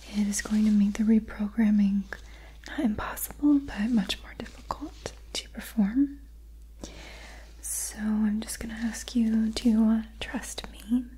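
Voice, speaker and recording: A soft-spoken woman talks in a gentle tone. Her pace is fairly slow. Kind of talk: soft-spoken ASMR role-play. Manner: soft-spoken, gentle, calming doctor voice.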